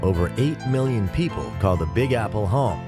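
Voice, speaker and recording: Man, documentary narrator, lowish voice, animated pitch, guitar music. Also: normal speed.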